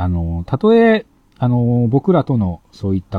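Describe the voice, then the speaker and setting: Very wide pitch swings, a somewhat breathy sound, and a moderate pace. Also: man. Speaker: podcast host and company executive. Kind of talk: talk to staff at training session. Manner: casual, many filler words.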